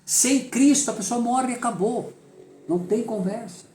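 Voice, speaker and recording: A man's voice: very high-pitched, normal speed, dark tone, reverberant, a little hiss or hum. A man with a Brazilian accent leading a Bible study, emphatic and full of rhetorical questions he answers himself.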